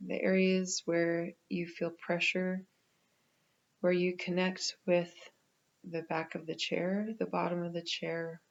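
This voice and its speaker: A woman leading a guided meditation in a gentle, unhurried manner with pauses. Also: lowish voice, highs cut off.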